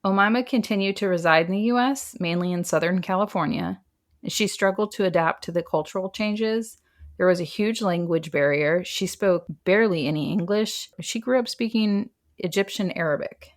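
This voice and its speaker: A woman's voice: mid-range voice, moderate pace. A woman hosting a podcast, recounting a true crime case in a chatty, wry way with frequent laughs. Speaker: podcast host. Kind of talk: casual true crime storytelling.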